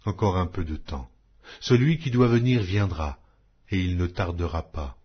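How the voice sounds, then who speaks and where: A man reading scripture aloud as a formal audiobook narration, in a solemn, measured, declamatory way. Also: sits low, slightly rough, muffled recording.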